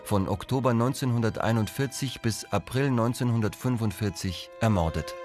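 A man reading scripted documentary narration in a measured, serious way. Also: medium pitch, over music.

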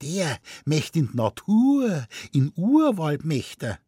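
A woman's voice: low voice, very animated, slow pace, warm tone, slightly rough, dry recording, studio quality, pitched above the performer's own voice, full character voice. A man reading aloud voices a plaintive, nagging Munich wife in broad Bavarian dialect. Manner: plaintive, scolding, pleading.

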